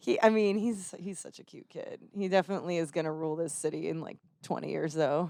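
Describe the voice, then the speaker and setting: A woman with a slight Texan accent talks at a fairly quick pace in a fairly low, dark, mellow voice. Her pitch variation is ordinary, and her loudness swings widely. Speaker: podcast host. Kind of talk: casual chat. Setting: recording at a vitamin lounge.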